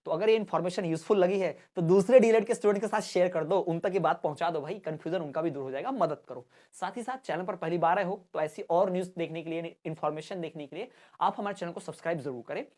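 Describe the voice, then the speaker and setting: A man's voice: fairly high pitch, quick pace, darkish tone. A man from Madhya Pradesh hosting an education channel, explaining in a chatty, casual way and often checking in with his listeners. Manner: chatty, keeps checking in with listeners and addressing them as brother.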